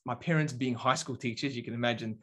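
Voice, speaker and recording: Australian man, thirties, relaxed guest, filler-heavy chat, mid-pitched voice. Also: fast, background noise. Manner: relaxed, many fillers like um and you know. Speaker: business coach guest. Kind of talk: casual interview chat.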